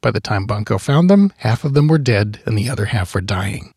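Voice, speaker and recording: A man's voice: fairly low pitch, lively intonation, brisk, darkish tone, breathy edge, dry recording. A man telling a local history tale in scripted narration, with wry, dry humorous asides. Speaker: history podcast host.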